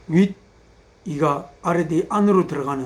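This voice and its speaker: Somewhat breathy, the man's voice moves at a very slow pace. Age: 70s. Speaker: pastor. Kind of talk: sermon.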